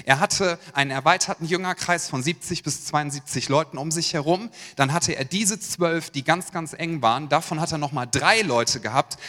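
A male pastor preaching a sermon to his congregation in a direct, lively way, asking them questions. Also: a little high, normal speed, hardly any pauses. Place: church hall. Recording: long church-hall reverb.

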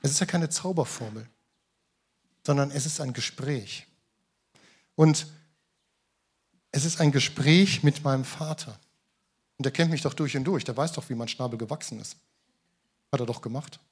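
A man preaching a sermon, lively and shifting from loud emphasis to soft, quiet asides. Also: fairly high pitch, slightly rough. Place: church in Hamm.

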